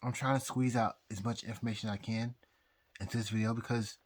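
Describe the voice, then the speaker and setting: Really drunk guy rambling at viewers, kinda raspy, keeps stalling and repeating stuff, loses his train of thought. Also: mid-range voice, fairly even intonation. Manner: halting, repetitive, losing his thread. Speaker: amateur astrologer vlogger. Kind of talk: rambling casual monologue to viewers.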